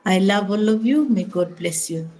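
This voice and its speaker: A woman, the organisation's CEO, giving a formal speech full of prayers and blessings, with many pauses and fillers, joining remotely. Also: medium pitch, dark tone. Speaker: SACCO CEO addressing members remotely. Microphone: remote link into the meeting.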